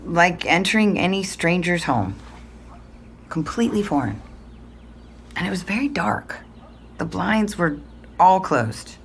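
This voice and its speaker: A curt, unsentimental middle-aged mother answers as if interviewed for an audio drama. Her voice is low and her delivery dry and clipped. There is faint noise behind her. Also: animated, unhurried, long pauses. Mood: bleak, dry.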